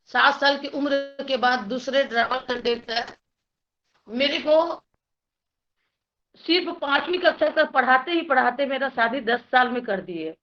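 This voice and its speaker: On a dull lo-fi recording, the Chhattisgarhi guest recounts her life with earnest feeling, voicing the people she quotes. She speaks at a measured pace in a high, slightly bright voice.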